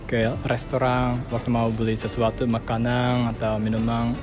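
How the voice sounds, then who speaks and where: Casual interviewee: man, Japanese accent, foreigner speaking Indonesian, mid-pitched, searching for words over music. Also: monotone, moderate pace. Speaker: interviewee, content creator. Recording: loud music behind.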